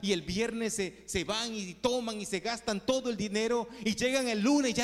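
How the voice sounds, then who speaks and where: Moderate-paced speech from a man, his pitch varying in an ordinary way. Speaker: pastor. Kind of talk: sermon with scripture reading, prayer and baptism. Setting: church. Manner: earnest preacher, repeats key points and asks '¿verdad?' often.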